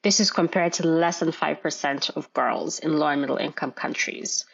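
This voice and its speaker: Woman, low voice, measured explanations, slightly dull lo-fi audio. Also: vocal fry, breathy edge. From Kenya. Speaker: gynecologist guest. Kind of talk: podcast interview.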